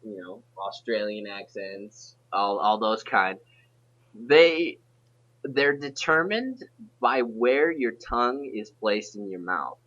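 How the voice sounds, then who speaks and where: Young male podcast host, bright and forceful tone, rambling casual delivery, dull lo-fi audio. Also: on the low side, animated, a little hiss or hum. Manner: rambling, halting restarts. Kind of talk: casual chat.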